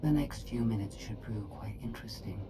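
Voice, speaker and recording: A woman's voice: extremely low pitch, a little fast. A woman voicing a cold, calculating female AI droid who speaks in a precise, condescending way. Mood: dry, superior. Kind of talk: video game voice acting. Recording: music bed under the dialogue.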